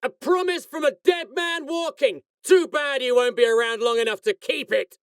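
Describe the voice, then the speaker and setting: An actor playing a cold, arrogant villainous scientist in a video game, speaking in a precise, formal, haughty way. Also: male voice, very high-pitched, moderate pace, clean tone, no room sound, studio quality. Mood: taunting, menacing. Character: cold, arrogant villainous male scientist, menacing and self-assured.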